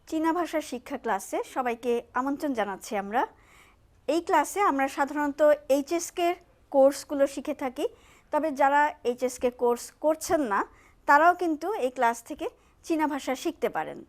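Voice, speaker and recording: Woman TV co-host, high voice, clear explainer. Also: brisk. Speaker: co-host and interpreter. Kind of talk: explaining in a TV language class.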